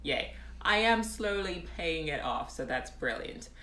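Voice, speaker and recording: A woman's voice: fairly low pitch, animated, a little slow, pushed and bright. A young woman chatting casually on a livestream in an amateur, put-on British accent, with a wry, self-deprecating manner. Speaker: live streamer. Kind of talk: casual livestream chat, reading out comments. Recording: roomy indoor echo.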